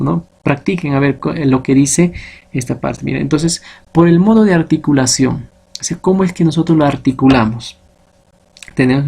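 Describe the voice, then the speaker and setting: A man's voice: fairly high pitch, vocal fry, a little mellow, slightly rough. A man teaching a phonetics lesson to his students, explaining step by step and often checking in with short tag questions.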